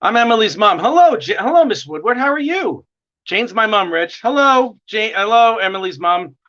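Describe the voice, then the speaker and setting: A man with a gravelly voice and a New York accent, chatting in a rambling way while he draws on a livestream. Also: high-pitched, sing-song, moderate pace, bright, forceful tone. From United States. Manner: chatty, rambling, chuckling often. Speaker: artist livestreaming a drawing session. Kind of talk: casual chat while drawing. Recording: dull lo-fi stream audio.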